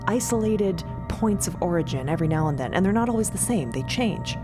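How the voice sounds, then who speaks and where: A woman's voice: medium pitch, animated, fairly quick, music in the background, natural voice. A woman playing a casual, curious, slightly bashful scientist in a fiction podcast, talking informally and trailing off. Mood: enthusiastic, relaxed. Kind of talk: improvised narrative fiction podcast acting.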